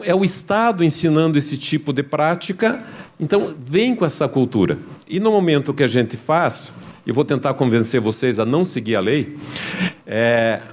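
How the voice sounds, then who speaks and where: A man's voice: fairly high pitch, a little mellow. A man from Brazil speaking at a conference panel, earnestly recounting cases with quoted asides.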